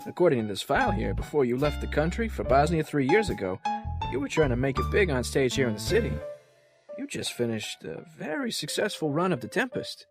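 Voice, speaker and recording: An actor playing an energetic, cocky male detective who banters playfully and quotes Shakespeare, in an audio drama. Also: on the high side, over music. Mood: probing. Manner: quick, lively, playful banter. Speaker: police detective. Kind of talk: full-cast audio drama.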